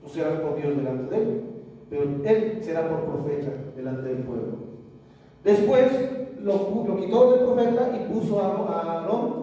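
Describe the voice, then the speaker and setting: A man's voice: fairly high pitch, normal speed, dark tone, lo-fi sound. A man with a Mexican Spanish accent preaching a sermon as pastor, asking the congregation for amens and answers. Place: church hall. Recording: echoey church hall, mic far off.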